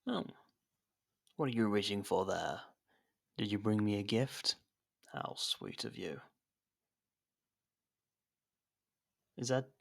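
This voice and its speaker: Man acting as haughty captive royal, slow and gravelly. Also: fairly low pitch, full character voice. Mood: mocking curiosity. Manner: haughty, dry, sardonic, theatrical pauses. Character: captured haughty royal, sarcastic rival hiding affection. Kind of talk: ASMR roleplay acting.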